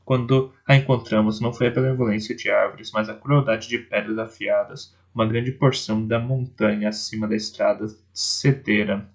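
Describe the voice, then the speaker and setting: Gravel-voiced man reading an audiobook. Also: fairly low pitch, fairly even intonation, normal speed, hardly any pauses. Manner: reads with restarts and self-corrections. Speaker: audiobook narrator.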